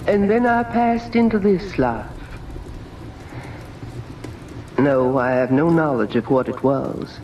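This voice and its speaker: An actress playing the sorrowful ghost of a dead wife and mother in a radio drama, speaking in a haunting, wistful, deliberate way. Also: sits low, animated. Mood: brooding. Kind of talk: slow dramatic radio ghost story monologue. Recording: muffled, noisy old radio recording, distant.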